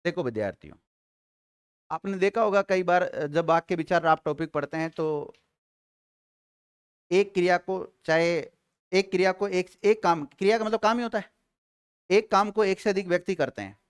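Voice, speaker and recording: High, smooth-voiced Hindi grammar teacher. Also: male voice. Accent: Rajasthani Hindi. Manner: asks students questions and answers them himself; dictates slowly, repeating phrases for note-taking. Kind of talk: classroom grammar lesson.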